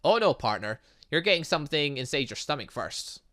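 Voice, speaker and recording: A man with a fairly high, bright voice hosts a gaming video. He reads dialogue aloud with lively swings in pitch, drops in casual remarks, and trips over words before fixing them. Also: fairly quick. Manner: stumbles over words when reading, self-correcting. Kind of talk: casual let's-play, reading game dialogue aloud with asides.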